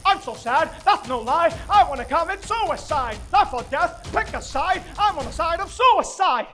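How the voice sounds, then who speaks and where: A man's voice: very high-pitched, lively intonation, moderate pace, music in the background. An actor playing a down-and-out grieving father, self-loathing and desperate, rambling in streetwise, profane dramatic monologue. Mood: manic, despairing. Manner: rambling, profane, streetwise, talking to an unseen child.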